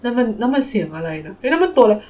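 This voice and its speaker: A woman's voice: fairly high pitch, big pitch swings, very fast, darkish tone, pitched below the performer's own voice. A woman voicing a sleepy, puzzled father who grumbles and exclaims in a children's toy story. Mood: startled. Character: sleepy, startled father roused from his nap.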